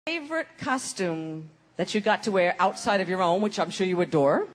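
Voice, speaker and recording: A woman moderating a fan convention panel, reading out fan questions in an upbeat way. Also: lowish voice. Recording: faint background noise.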